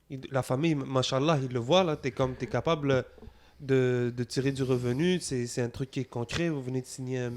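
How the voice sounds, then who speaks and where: A man co-hosting casually, using slang and English words, haltingly rephrasing as he goes. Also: medium pitch, a little mellow. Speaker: podcast co-host.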